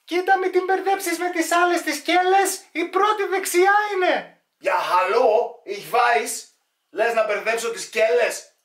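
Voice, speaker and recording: A man doing a shrill bossy immigrant housewife. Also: fairly even intonation, fairly bright tone, roomy sound. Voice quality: shrill scolding.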